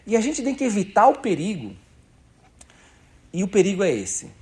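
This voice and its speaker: A man's voice: high voice, huge pitch swings, moderate pace, a little mellow. A man preaching a sermon in church, conversational and emphatic, asking the congregation questions. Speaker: pastor.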